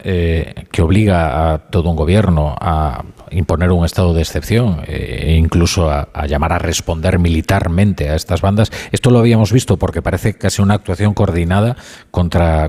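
A male radio host leading a live news discussion, measured and hesitant, often pausing with fillers. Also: deep voice, mellow.

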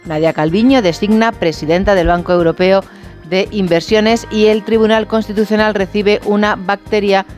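Brisk woman reading headlines. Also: mid-range voice, a little mellow. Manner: brisk, chatty. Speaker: radio news co-presenter. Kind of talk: press review reading.

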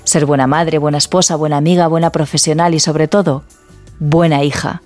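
Low heartfelt woman. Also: fairly even intonation, darkish tone, faint music behind. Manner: heartfelt, measured list-like delivery. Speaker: radio contributor. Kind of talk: read reflective commentary.

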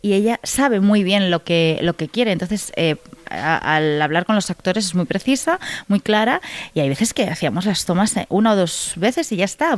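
An actress from Spain talking warmly and eagerly about her first leading role, with frequent fillers and restarts. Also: mid-range voice, dry recording. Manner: enthusiastic, many fillers and restarts. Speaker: actress, interview guest. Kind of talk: casual interview answers.

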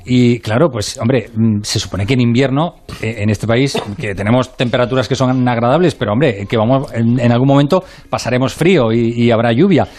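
Un hombre que cuenta una noticia en un programa de radio con tono explicativo y algunas muletillas. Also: male voice, mid-range voice, a little mellow. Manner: brisk explanatory delivery with fillers. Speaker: radio news reporter. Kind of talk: radio news report and studio chat.

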